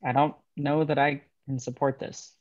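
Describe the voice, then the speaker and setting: A man's voice: fairly high pitch, flat delivery, moderate pace, natural voice. Man playing a reserved newcomer miner, dull recording. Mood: doubtful, firm. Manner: reserved, hesitant. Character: hesitant newcomer miner, polite but firmly anti-communist. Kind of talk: table-read acting.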